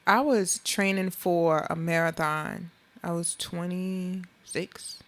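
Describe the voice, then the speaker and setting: Interview guest, woman, lower register, Southern Black American accent with Gullah Geechee flavor, conversational storyteller. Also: steady tone, takes it slowly. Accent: Southern Black American with Gullah Geechee influence. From Beaufort, South Carolina, United States.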